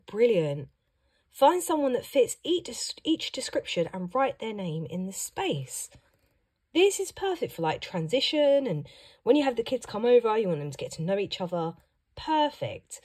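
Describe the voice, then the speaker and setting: A woman who teaches young children, chatting upbeat through an unboxing vlog while hoarse and losing her voice. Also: on the high side, very animated, moderate pace, darkish tone. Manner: chatty and upbeat, reacting to each item. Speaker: primary school teacher and vlogger. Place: at home.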